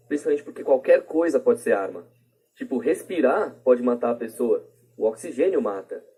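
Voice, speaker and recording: This man's voice sits on the high side, warm with a breathy edge. He's a Brazilian podcast guest who rambles colloquially through his opinions, often tacking on tag questions. The clip is a plain podcast voice recording.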